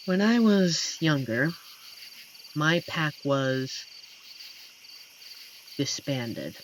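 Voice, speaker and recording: A gentle, lonely werewolf played by a voice actor speaks slowly in a medium-pitched voice, tender and a little corny. It is an intimate roleplay audio, with hesitant pauses and clear night insects chirping behind. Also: a little hiss or hum, rough recording. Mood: wistful. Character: amiable, gentle, lonely werewolf forest protector comforting a stranger. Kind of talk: scripted roleplay audio addressed to the listener. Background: crickets and forest night ambience.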